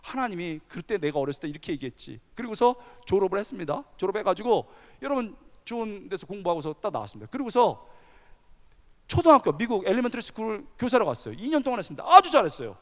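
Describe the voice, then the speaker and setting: A male pastor preaching a sermon, telling a story with animated energy and asking the audience questions. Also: high voice, quick pace. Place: large church hall. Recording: long hall reverb.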